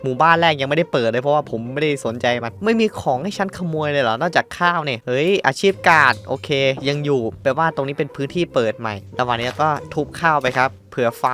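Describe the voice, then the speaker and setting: A man's voice: mid-range voice, fast, hardly any pauses, soft background music. A man hosting a casual let's-play, narrating his own moves, counting aloud and breaking into startled exclamations and coarse slang. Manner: excitable, yelps and exclaims at surprises, coarse slang. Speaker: gaming channel host.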